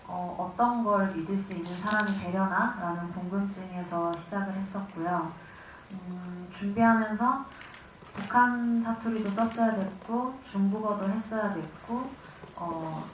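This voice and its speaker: Woman in a very echoey, distant hall. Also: medium pitch. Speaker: film actress at press conference. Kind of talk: reflective press conference answers. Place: cinema auditorium. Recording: echoey hall, distant mic, faint noise.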